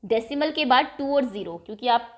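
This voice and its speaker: A woman teacher walks through a maths lesson at an unhurried, patient pace. Her voice sits a little on the high side, and she keeps checking in with a quick "okay?". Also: lively intonation. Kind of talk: classroom lesson explanation.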